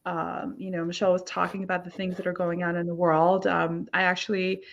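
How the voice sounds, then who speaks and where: Gravelly woman host on a dull line. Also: on the low side, level tone, brisk, slight background noise. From Ukraine. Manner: chatty, many fillers. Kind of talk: live online tarot reading. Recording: dull lo-fi sound.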